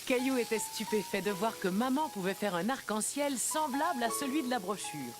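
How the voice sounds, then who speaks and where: A woman playing the kindly narrator of a children's cartoon, reading in an expressive storybook style. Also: on the high side, normal speed, close to an everyday voice. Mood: kindly narrating. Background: music.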